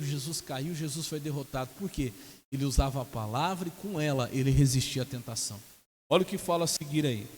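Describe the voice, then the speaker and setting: A man with a Brazilian Portuguese accent, a pastor preaching a sermon and breaking into loud calls to the congregation. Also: high-pitched. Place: church hall. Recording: long hall reverb.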